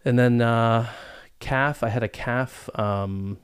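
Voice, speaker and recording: A man's voice: medium pitch, fairly even intonation, takes it slowly, smooth, no echo, studio quality. A man in his forties hosting a casual podcast in a rambling, jokey, self-deprecating way. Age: 40s. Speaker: podcast host. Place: podcast studio.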